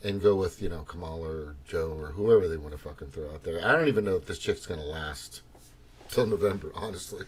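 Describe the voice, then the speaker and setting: A man talks at a very fast pace with a very deep, low pitch and ordinary pitch variation. His loudness swings widely over noticeable background noise. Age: 60s. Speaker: political commentary video host. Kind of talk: casual political monologue. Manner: halting, many fillers and repetitions; animated, profane rant.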